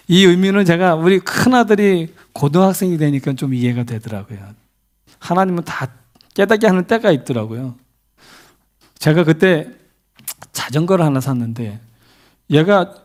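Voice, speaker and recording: A middle-aged man preaching a sermon as a pastor in a church, telling stories and asking the congregation questions. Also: a little high. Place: church sanctuary.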